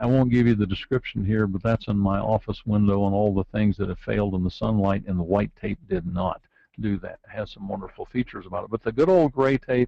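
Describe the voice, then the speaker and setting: Dry and close with no echo, a man's dark, mellow voice at a fairly low pitch races at a very fast pace with hardly any pauses. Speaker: survival skills presenter. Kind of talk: instructional talk with slides.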